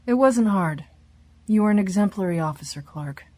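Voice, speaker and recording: An actress playing a candid, businesslike senior law enforcement chief in an audio drama. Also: female voice, mid-range voice, expressive, moderate pace, mellow, close to an everyday voice. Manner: businesslike, frank.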